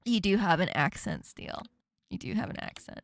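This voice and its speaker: A woman streamer with an Asian American accent hosts a casual chat with guests, giggling and laughing often in a lively, playful way. Her voice is medium-pitched, gravelly, and a little fast.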